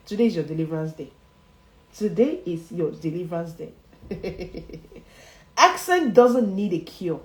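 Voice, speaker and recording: A woman's voice: fairly low pitch, animated, measured pace, a little mellow. A woman, a speech coach teaching viewers emphatically, repeating her key phrases and often chuckling. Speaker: public speaking coach. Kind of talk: motivational livestream teaching. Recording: roomy echo.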